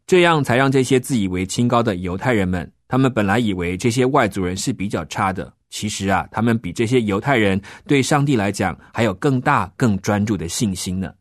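A man narrating a children's story and gently explaining it with soft sentence-end particles. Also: lowish voice, a little fast, few pauses, no room sound, clean studio sound.

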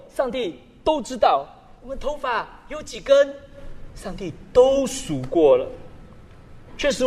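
A man preaching a sermon as a pastor, animated and full of rhetorical questions. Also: high-pitched, slightly rough, long reverb tail.

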